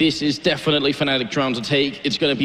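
A man speaks in an excited tone at a fairly quick pace. Noticeable background noise sits behind him. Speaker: esports commentator. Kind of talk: live esports commentary. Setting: stage with live crowd. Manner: fast, excited play-by-play that builds to a shout at the decisive rounds. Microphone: headset.

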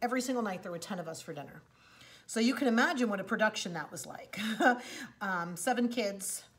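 A somewhat breathy woman speaks at a very fast pace, her loudness swinging widely. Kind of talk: casual cooking tutorial chat. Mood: warm, reminiscing about mom. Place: kitchen.

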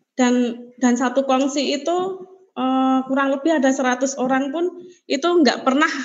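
A high-pitched woman at a moderate pace against a quiet background. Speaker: migrant worker's wife. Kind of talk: personal testimony. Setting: video call. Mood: worried, pleading. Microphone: video call.

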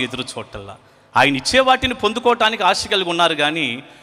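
A man talks with very wide pitch swings. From Andhra Pradesh, Guntur district. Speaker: pastor. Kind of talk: sermon-style greeting at a church convention. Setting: stage with audience. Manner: animated.

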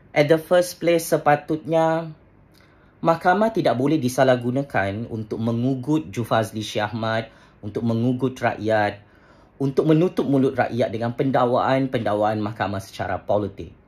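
Lively intonation carries speech delivered at a fairly slow pace. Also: man. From Malaysia. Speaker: political commentator. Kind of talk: political monologue. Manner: halting with frequent fillers. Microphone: phone near.

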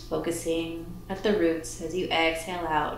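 A woman with a fairly low voice is heard with light background noise and audible room echo. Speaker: meditation guide. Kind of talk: guided meditation. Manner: slow, soothing, calm and gently paced with long pauses; warm, inviting, soft-spoken. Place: home room.

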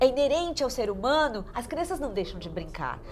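Over light background noise, a woman speaks at a fairly quick pace in a high pitch with very wide pitch swings. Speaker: childhood advocate. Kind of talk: studio debate. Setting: studio. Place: studio.

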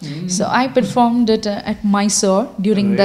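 At a moderate pace, a woman with a dark, mellow, somewhat breathy tone speaks with fairly even intonation. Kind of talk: interview answer. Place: office. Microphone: handheld.

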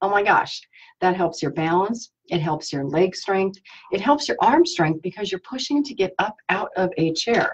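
Her voice comes across as somewhat breathy. This woman talks at a moderate pace. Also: lively intonation. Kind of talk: advice vlog talk to viewers. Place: home room. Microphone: webcam.

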